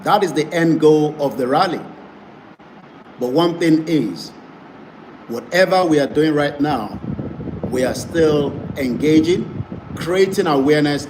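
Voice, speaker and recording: A man's voice: on the high side, a little mellow. Male web broadcaster, emphatic campaigning delivery, noisy recording. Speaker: online broadcaster. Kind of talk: advocacy broadcast. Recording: noisy background.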